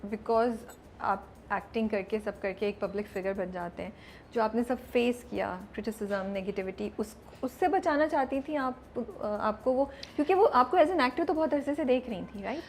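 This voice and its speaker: A woman's voice: a little high, slight background noise. A woman from Pakistan hosting an interview, chatty and encouraging. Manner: chatty, encouraging, frequent hmm and yeah backchannels. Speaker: interviewer host. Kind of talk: conversational interview.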